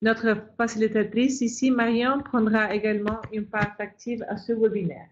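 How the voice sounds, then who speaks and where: A woman's voice: fairly high pitch, little pitch movement, moderate pace, darkish tone. A woman who is not a native speaker presents a webinar, reading carefully with occasional restarts. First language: not French. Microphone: video call. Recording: lo-fi webinar audio.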